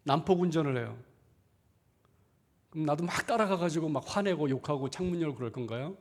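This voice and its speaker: Middle-aged male pastor, conversational sermon, fairly high voice, asks rhetorical questions. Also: lively intonation, a little fast. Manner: acts out inner thoughts in quoted asides. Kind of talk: sermon seminar. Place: church sanctuary.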